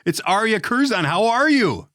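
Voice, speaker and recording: A man's voice: sits high, sing-song, normal speed, a bit bright, dry recording. Rambling male podcast host, close dry sound. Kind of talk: casual interview chat.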